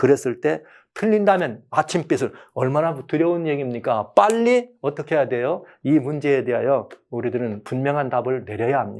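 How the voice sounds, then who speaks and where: The recording is very clean, with a silent background. A man speaks at a fairly high pitch with lively intonation. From Chungcheong Province, Korea. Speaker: pastor / Bible teacher. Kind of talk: sermon-style Bible lecture. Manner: fast; many hesitation fillers.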